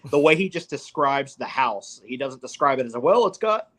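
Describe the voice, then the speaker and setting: A man guesting on a casual movie review podcast, enthusiastic and quick to laugh. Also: mid-range voice, a bit bright.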